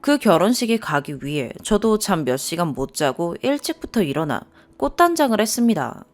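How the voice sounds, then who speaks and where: A young woman reading a first-person story aloud as narrator, expressive and lively. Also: lowish voice, moderate pace.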